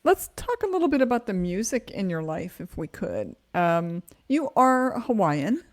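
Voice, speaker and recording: A woman's voice: medium pitch, sing-song, normal speed. A woman interviewing a musician, asking curious, upbeat questions. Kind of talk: casual interview.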